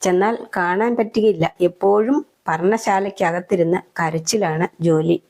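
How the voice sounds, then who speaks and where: Two bold, stubborn forest boys speaking defiantly and matter-of-factly in a storybook tale, as a woman narrator quotes them. The voice stays lowish and plain. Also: a little slow, darkish tone.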